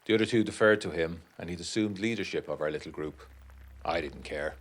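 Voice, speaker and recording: A deep-voiced gentleman of the 1920s, narrating a gothic audio drama letter. He is formal and measured, with an educated, literary turn of phrase and an undercurrent of unease. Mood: sombre, descriptive.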